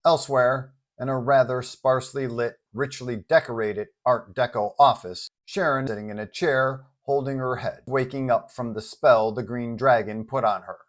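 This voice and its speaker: A man's voice: medium pitch, fairly even intonation, moderate pace, hardly any pauses. Male storyteller narrating with drama. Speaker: storyteller and channel host.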